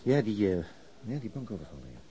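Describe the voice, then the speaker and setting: A man's voice: fairly low pitch, big pitch swings, quick pace, dark tone, low-quality recording. An actor playing a subdued, hesitant, understated policeman in a Dutch radio crime drama. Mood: hesitant, serious. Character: subdued, hesitant male policeman back from hospital.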